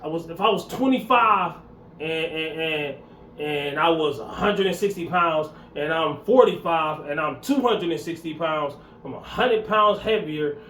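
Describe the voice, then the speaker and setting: Animated high-voiced man in his forties. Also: measured pace, reverberant, a little hiss or hum. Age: 40s. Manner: blunt, repetitive, preachy, animated. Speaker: fitness vlogger. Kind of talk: casual motivational talk to camera.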